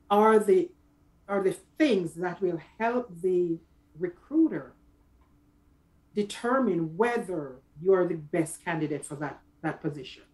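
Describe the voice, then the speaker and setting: A middle-aged woman speaking as a guest career coach on a video call, giving conversational advice in a deliberate, emphatic way. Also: on the low side, dark tone, poor audio. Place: small office, indoors.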